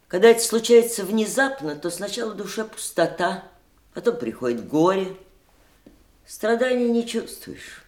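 An actress playing a worldly, twice-widowed middle-aged woman in a theatrical Russian audio drama, speaking with emphatic, deliberate eloquence. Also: low voice. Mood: wounded, sorrowful.

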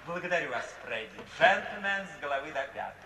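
Brief: flippant young scamp, distant in a reverberant hall. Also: male voice, fairly high pitch, very animated, brisk, pushed and bright, slight background noise, exaggerated voice. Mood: teasing. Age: young adult. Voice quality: playful, mocking. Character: cheeky, flippant young man, a charming idler. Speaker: pastor's son. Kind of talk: 1950s radio play acting. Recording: echoey distant old radio play recording.

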